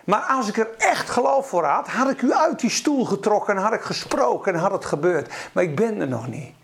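A man delivers a charismatic sermon with a high, gravelly voice that swings widely in pitch. He preaches with passion, acts out the people he quotes and breaks into sudden shouts. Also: big pitch swings, fairly quick.

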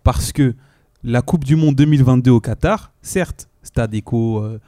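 Dark-voiced man, slow and halting. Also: medium pitch, no room sound, clean studio sound. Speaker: panelist. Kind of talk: casual panel discussion.

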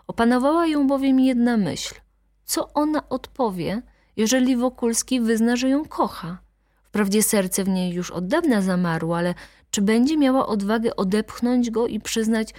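Female audiobook reader, measured and expressive, dry close mic. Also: a little high, no echo. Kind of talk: novel read aloud.

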